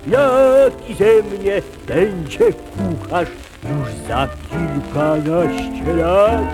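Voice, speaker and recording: A man's voice: high voice, full character voice, poor audio. A man voicing a cheerful, playful dragon in a children's musical show, with a bouncy sing-song delivery. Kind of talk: children's musical show acting, spoken and sung. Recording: vintage vinyl children's record with music.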